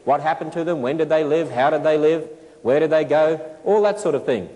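A fairly high-pitched Australian man in his thirties speaks on a lapel mic from an auditorium stage. He talks to a live audience in a playful way, teasing them and firing questions at them. His voice carries a long hall reverb. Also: a little fast, warm tone. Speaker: speaker addressing a children's audience. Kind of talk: animated lecture to a live audience. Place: large auditorium stage with potted plants.

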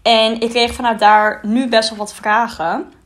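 A young woman speaks in a slightly high voice. She talks casually, like girl talk in a vlog, while she eats, so her mouth is sometimes full as she speaks. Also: level tone, measured pace. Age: 20s. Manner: talking while eating, at times with mouth full. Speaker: vlogger. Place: small bright room indoors, seated at a table.

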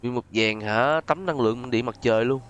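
A man's voice: medium pitch, normal speed, a bit bright, clear, resonant tone, highs cut off. A man with a Southern Vietnamese accent doing casual game commentary as a channel host, chatting directly to his viewers. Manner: conversational, addresses viewers directly with frequent tag particles.

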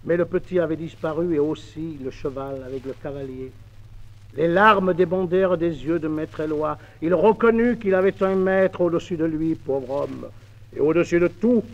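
Expressive man telling an old folk tale. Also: a little high, moderate pace. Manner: lively, expressive. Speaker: storyteller. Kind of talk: theatrical folk-tale reading. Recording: dull 1950s mono record.

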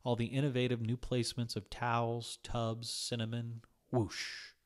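A man's voice: medium pitch, monotone, moderate pace. A man narrating a short story as a scripted audiobook reading. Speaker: audiobook reader.

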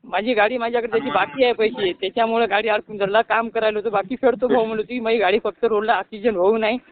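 A man's voice: high voice, fairly even intonation, fast. Pleading man on a tinny phone line. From Maharashtra. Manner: pleading, repeats "bhau" often, rambling. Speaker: caller asking for help. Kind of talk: distressed phone call. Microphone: phone call.

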